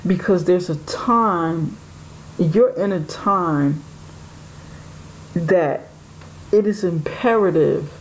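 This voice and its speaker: A woman's voice: fairly low pitch, a little mellow, slight background noise, rough recording. A woman giving an intuitive tarot reading, musing aloud and speaking to spirit and the viewer. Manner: musing, talks to spirit and viewer, laughs often. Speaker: tarot reader.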